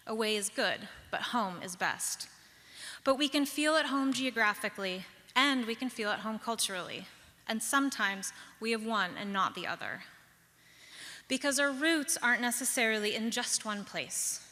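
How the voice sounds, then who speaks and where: A young woman from the Pacific Northwest telling a personal story on stage, measured and reflective, with lilting pauses. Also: on the high side, expressive, pushed and bright. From Pacific Northwest, USA. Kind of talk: personal story told live. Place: large hall, live stage. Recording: long hall reverb.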